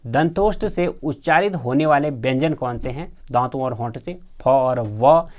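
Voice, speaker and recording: A man's voice: medium pitch, measured pace, darkish tone, no echo, lo-fi sound. A man teaching a grammar lesson in quiz form. He reads each question aloud and then explains the answer, with frequent fillers, calling his viewers friends.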